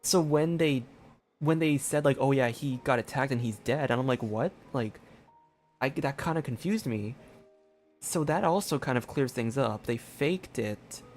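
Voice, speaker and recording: Male streamer, mid-pitched, casual and slangy, rambling game commentary over faint music. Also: a little slow.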